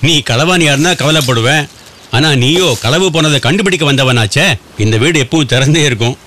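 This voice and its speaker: An actor playing an elderly temple priest who speaks patiently and teases gently, in a radio drama. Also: male voice, on the high side, brisk, a little hiss or hum. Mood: calm. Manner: patient, gently teasing, affectionate.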